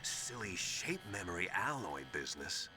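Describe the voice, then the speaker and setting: An actor playing a smug, menacing villain who gloats in a mocking, theatrical way in a dramatic video game. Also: male voice, sits low, very animated, moderate pace, rough recording. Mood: smug gloating. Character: smug, menacing male villain gloating over his scheme. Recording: loud music behind the voice.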